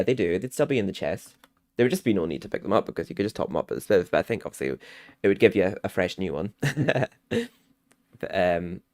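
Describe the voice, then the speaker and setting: A man's voice: fairly low pitch, darkish tone. A young man giving casual let's-play commentary as a YouTuber, rambling and chuckling often. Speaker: gaming YouTuber. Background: game music.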